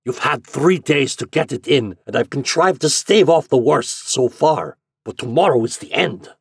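A male narrator puts on a gruff old father, menacing and impatient. The voice is raised well above his usual pitch and rough-edged, pressing hard with vehement, barely held passion in a dramatic storybook reading. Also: animated, moderate pace, no echo, clean studio sound. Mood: desperate pleading. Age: older. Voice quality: gruff, vibrating with suppressed passion. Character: menacing, desperate elderly father demanding money from his son.

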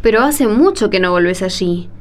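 A woman's voice: mid-range voice, lively intonation, moderate pace, lightly acted. A woman playing an impatient, questioning young granddaughter in a radio drama, blunt in manner, with an Argentine accent. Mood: puzzled.

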